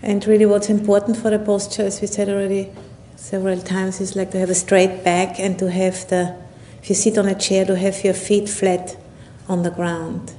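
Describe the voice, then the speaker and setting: A woman leading a guided meditation as a Buddhist teacher, speaking in unhurried, halting phrases with long pauses. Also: completely flat delivery, mellow. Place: retreat session at a monastery or retreat center. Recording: low rumbling background noise.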